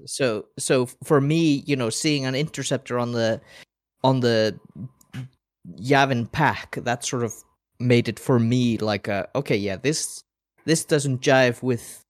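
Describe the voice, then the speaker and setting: A man's voice: mid-range voice, a little slow, no room sound, studio quality. A man co-hosting a casual podcast chat, rambling and hesitant with frequent restarts. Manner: rambling, hesitant, many fillers and restarts, laughs often.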